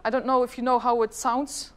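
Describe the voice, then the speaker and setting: A middle-aged Flemish woman from Flanders, Belgium, whose first language is Dutch, heads a government department and gives a chatty conference presentation, putting questions to the audience. Her voice is on the high side with little pitch movement and a slightly fast pace, with some hiss or hum.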